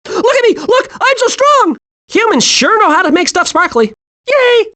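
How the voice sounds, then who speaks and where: A hyperactive little cartoon squirrel, pitched very high. The delivery swoops up and down with naive, childlike glee, made for an animated video game. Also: moderate pace, heavily acted. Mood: excited. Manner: excitable, childlike, gleeful exclamations.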